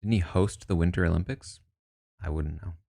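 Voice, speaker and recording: A man's voice: low-pitched, moderate pace, creaky, dark tone. A man casually commenting and thinking aloud as he reacts to news about a reality show cast. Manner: musing, thinks aloud, asides.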